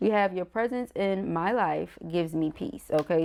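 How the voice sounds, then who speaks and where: Intonation rises and falls in a lively way. The delivery holds a moderate speed. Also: woman. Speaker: tarot reader. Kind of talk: tarot reading. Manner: casual, animated; stumbling over words.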